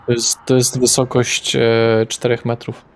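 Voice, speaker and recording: A man narrating a tabletop game as its game master, his voice sitting in an ordinary middle pitch. He describes places loosely, pausing on fillers and correcting himself as he goes. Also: completely flat delivery, clean tone.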